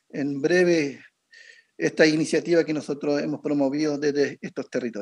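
Fairly high-pitched male voice at a fairly slow pace, with ordinary pitch variation over a quiet background. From Mapuche community, southern Chile. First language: Mapudungun (speaking Spanish). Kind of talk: formal presentation to a commission. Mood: earnest, appealing. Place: home room. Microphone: earbuds.

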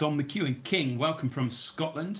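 A man's somewhat breathy voice moves fairly quickly, its pitch varying in an ordinary way. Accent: British. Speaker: YouTube channel host. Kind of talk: livestream giveaway chat.

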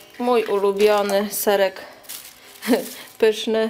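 Noticeable background noise sits under a woman speaking at a very slow pace. Her medium-pitched voice is monotone, with flat intonation. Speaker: vlogger. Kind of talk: casual vlog, grocery haul. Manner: chatty, hesitant with fillers.

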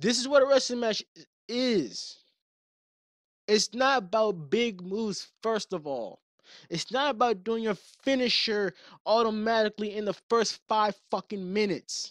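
Loud and animated in tone, a man with a high pitch speaks at a fairly slow pace with ordinary pitch variation. The recording is very clean with a silent background and a dry, close sound with no echo. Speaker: video game wrestling commentator. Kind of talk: live commentary.

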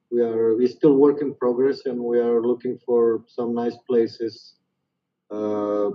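With a Romanian accent, a man talks in a monotone, flat delivery against a quiet background. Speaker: artist, curator. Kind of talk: casual interview. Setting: video call. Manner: hesitant. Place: home room. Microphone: video call.

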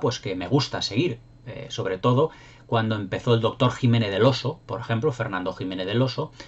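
Somewhat breathy, a man speaks at a moderate pace. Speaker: film reviewer. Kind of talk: film review commentary. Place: home room. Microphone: webcam.

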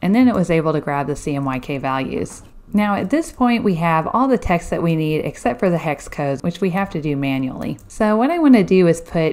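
A woman with a normal speaking voice talks at a fairly quick pace, her fairly low pitch carrying lively intonation. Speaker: graphic design tutor. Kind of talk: tutorial.

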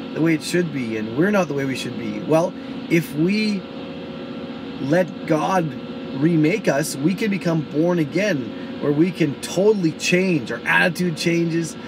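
Lively intonation at a fairly slow pace, over noticeable background noise. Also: man, high pitch for a man. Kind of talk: casual vlog chat with religious message. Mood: warm, earnest. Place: car. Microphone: phone near.

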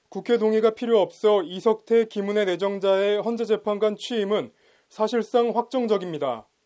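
At a moderate pace, a man with a high voice and a dark, mellow tone speaks with ordinary pitch variation against a quiet background. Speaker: news reporter. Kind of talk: news report. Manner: formal.

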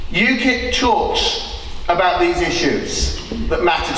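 Pitch swings very widely through this voice, with audible room echo and light background noise. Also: man. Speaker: candidate. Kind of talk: political speech. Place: hall. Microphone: podium.

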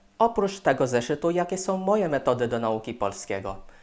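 Over a quiet background, a man with a non-native accent speaks at a moderate pace with very wide pitch swings. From Philippines. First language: non-native Polish speaker (speaking Polish). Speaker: YouTuber. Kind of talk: vlog monologue. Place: home room. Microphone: studio mic.

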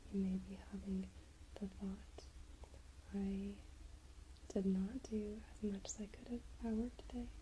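A soft-spoken woman talks fairly slowly in a calm tone, leaving long, frequent pauses, with light background noise behind her. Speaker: ASMR meditation guide. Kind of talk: guided meditation / ASMR personal attention. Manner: soft-spoken, calm, slow. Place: home room. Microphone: studio mic.

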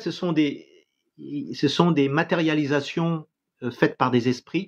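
Very slowly, a man with a fairly high-pitched voice speaks. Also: quiet background. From Gabon. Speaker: spiritual healer; spiritual teacher. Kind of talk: livestream talk with viewers; guided meditation. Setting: TikTok live stream. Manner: halting. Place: home room. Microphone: phone near.

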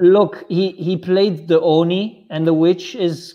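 A man speaks in a high voice with fairly even intonation. The background is quiet. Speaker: board game designer. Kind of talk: casual live game stream chat. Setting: online livestream. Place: home room. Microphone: video call.

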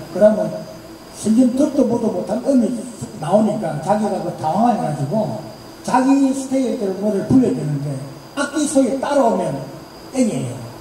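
A man with a high voice speaks at a moderate pace with very wide pitch swings and long, frequent pauses, over light background noise and audible room echo. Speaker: arts troupe leader on a national tour. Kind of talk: casual interview and feedback. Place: studio.

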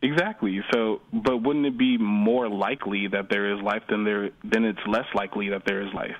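A man with an American accent, a plain, everyday voice, and a fairly low pitch, with fairly even intonation and hardly any pauses. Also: moderate pace. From US Midwest, Minnesota. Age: 20s. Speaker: caller. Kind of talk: phone-in discussion. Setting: phone call. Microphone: phone line.

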